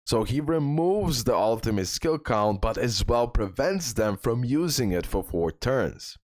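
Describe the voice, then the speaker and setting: A man's voice: mid-range voice, animated, measured pace, dry recording, studio quality. A man hosting a game guide, reading out skill descriptions and giving tips informally, addressing viewers directly and repeating points for emphasis. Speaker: gaming content creator and host.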